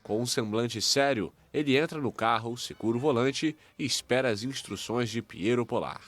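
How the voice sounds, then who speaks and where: A man reading a scripted news report in a measured, formal tone. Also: medium pitch, a bit bright.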